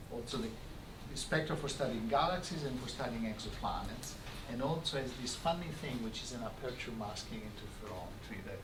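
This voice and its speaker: A man giving an academic lecture with slides, explaining in a halting way and often repeating words. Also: medium pitch. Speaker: visiting scientist giving a colloquium lecture. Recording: roomy, noisy lecture recording from far off.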